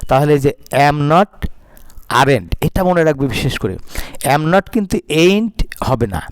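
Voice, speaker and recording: Bangladeshi guy teaching grammar, voice a bit high, reads lists out slowly, dry close sound. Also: big pitch swings, dry recording. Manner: repetitive, drills word lists aloud. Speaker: English teacher. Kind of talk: grammar lesson for students.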